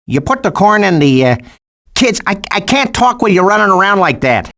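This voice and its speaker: A man's voice: sits high, big pitch swings, normal speed, bright, forceful tone, full character voice. A man voicing a mild, flustered animal dad in a video game, with an Upper Midwestern accent and a hesitant, folksy, polite manner. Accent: Upper Midwestern American.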